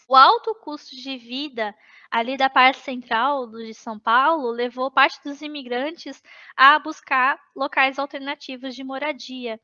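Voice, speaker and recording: A woman's voice: high-pitched, sharp tone. A woman with a Brazilian accent, presenting a lesson to teachers in a thoughtful, explanatory way. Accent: Brazilian Portuguese. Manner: explanatory, with fillers and restarts. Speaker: teacher trainer. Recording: dull lo-fi online meeting.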